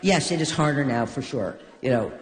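An older woman from New York, a guest in an onstage conversation, telling stories with wry, deadpan humor. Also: extremely low pitch, moderate pace, background noise. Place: stage in a hall. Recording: long reverb of a large hall.

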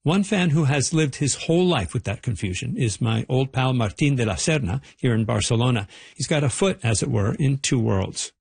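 A man's voice: medium pitch, expressive, moderate pace, creaky, a little mellow, breathy edge, no room sound. A man reporting a radio feature in a wry, playful narration.

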